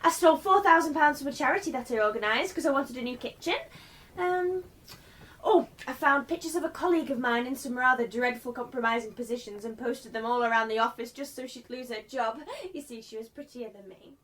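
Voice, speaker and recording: A woman playing an indignant, shameless, newly dead journalist in her twenties in a radio play, brisk and self-justifying. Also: sits high, a bit bright. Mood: matter-of-fact. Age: 20s. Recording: distant microphone.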